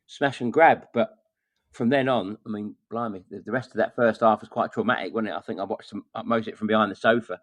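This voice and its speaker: A man giving measured, conversational football analysis as a podcast guest. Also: on the low side, no echo. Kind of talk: casual football chat.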